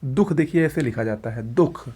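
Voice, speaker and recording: A man teaching an exam-prep spelling lesson, briskly going through words and pointing at what is written on screen. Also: mid-range voice, darkish tone.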